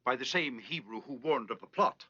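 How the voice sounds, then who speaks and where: An actor voicing a proud, confident king in an animated Bible drama, speaking in a regal manner. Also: medium pitch, normal speed, slightly rough. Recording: dull lo-fi sound.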